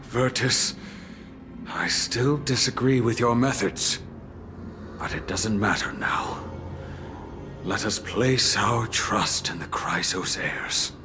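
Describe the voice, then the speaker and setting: An actor playing a proud, devout tribal priest in a video game, solemn, formal and dramatic. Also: male voice, on the low side, slow, pauses often. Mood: resigned. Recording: loud game music underneath.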